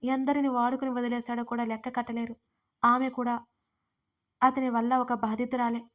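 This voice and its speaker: A woman narrating a serialized audio story in a steady, even reading. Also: on the high side, moderate pace.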